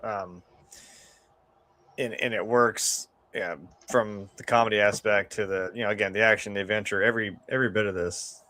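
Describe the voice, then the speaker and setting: A man's voice: on the low side, fairly even intonation, normal speed, sharp tone, dry recording. A man co-hosting a film review, bantering casually with sardonic, profane jokes.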